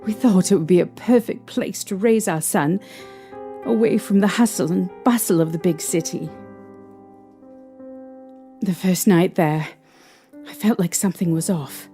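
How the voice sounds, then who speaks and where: A woman playing a young mother shaken by strange happenings, recalling them in a halting, hesitant way. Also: fairly low pitch, dark tone, lightly acted. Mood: uneasy. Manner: hesitant, halting recollection with restarts. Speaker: interviewee recounting events. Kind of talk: fan audio drama acting. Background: faint music.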